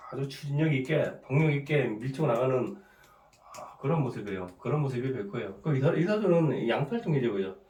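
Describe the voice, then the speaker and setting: A middle-aged man with a cold and a sore throat, giving an informal lecture. He keeps asking "right?", clears his throat often and restarts his sentences. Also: medium pitch, a little mellow, far from the mic. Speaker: saju fortune-telling teacher. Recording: echoey room, voice set back from the mic.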